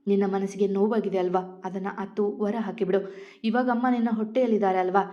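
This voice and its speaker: A woman voicing a caring young husband who speaks softly and soothingly. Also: mid-range voice, steady tone, fast, dull audio, close to an everyday voice. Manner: soft, soothing.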